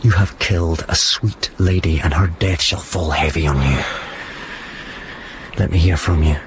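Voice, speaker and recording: Nobleman, low-pitched, measured, firm, faint hiss. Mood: cold. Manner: measured, cold, firm delivery. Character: grave male nobleman, cold and challenging.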